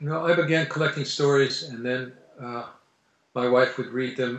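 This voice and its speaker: A man talks at a moderate pace with fairly even intonation. Some room echo is audible. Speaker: filmmaker and memoir author. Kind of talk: interview.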